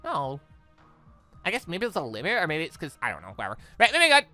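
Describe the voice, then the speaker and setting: A British gaming video host giving excitable, exclaiming commentary while playing through a game and reading it aloud. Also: mid-range voice, quick pace, faint music behind. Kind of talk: lively playthrough commentary, reading dialogue aloud.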